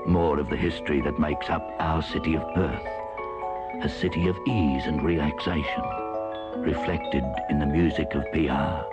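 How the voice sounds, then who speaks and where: A man reading scripted history as a radio announcer, in a measured storytelling manner, on a 1970s aircheck. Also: rumbling low, steady tone. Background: mallet music.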